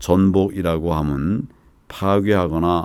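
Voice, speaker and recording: Very deep and low, with a dark, mellow tone and fairly even intonation, a man speaks at a very slow pace in a very clean recording with a silent background. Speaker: politician, presidential candidate. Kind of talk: ASMR-style reading of legal text. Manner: slow, soft-spoken, measured.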